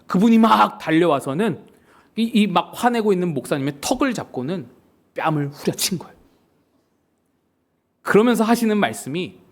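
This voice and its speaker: A male pastor delivers a sermon in a high voice that swoops up and down with great liveliness. He tells his stories vividly, acting out the voices of the people in them. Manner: animated storytelling with acted quotes.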